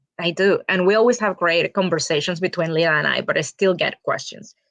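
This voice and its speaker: A woman speaks with a Venezuelan accent at a medium pitch. The sound is dry and close, with no echo. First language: Spanish. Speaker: co-host assistant. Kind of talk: live stream Q&A chat. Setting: online live stream.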